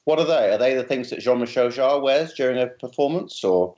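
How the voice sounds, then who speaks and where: A man's voice: mid-range voice, lively intonation, brisk, a little mellow, highs cut off. A man from London with a posh, very proper southern English accent, chatting casually and wryly on a podcast. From London, England. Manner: very proper, well-spoken. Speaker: podcast guest, writer and comic character creator. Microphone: remote video call.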